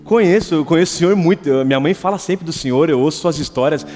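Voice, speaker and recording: A man's voice: animated, fast. A pastor doing an eager little boy. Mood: earnest. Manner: breathless, pleading, high and loud. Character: eager excited young boy seeking God. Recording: reverberant church hall, faint guitar.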